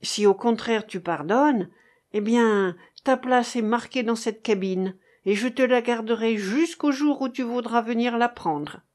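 A woman's voice: fairly high pitch, a little slow, darkish tone, lightly acted. A woman reading the part of a seasoned corsair captain in an audiobook, firm and earnest. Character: seasoned corsair captain, commanding yet fatherly.

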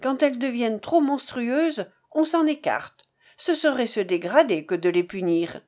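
A woman's voice: a little high, expressive, normal speed, a little mellow, natural voice. Woman reading as a furious young lover. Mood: indignant, accusing. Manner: indignant, cold and cutting. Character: angry young man accusing his mistress.

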